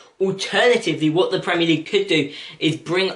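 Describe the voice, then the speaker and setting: The speech runs at a fairly quick pace. Background noise is noticeable throughout. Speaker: solo podcast host. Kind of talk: solo podcast monologue. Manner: fast.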